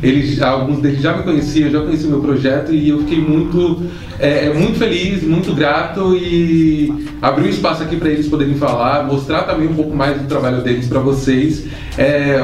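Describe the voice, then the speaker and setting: A man hosts his channel, opening the video with a relaxed, grateful introduction. His voice sits a little high for a man, and he hesitates now and then. The mic sits some distance away in a reverberant room. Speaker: host. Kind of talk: casual introduction. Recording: roomy sound from a distance.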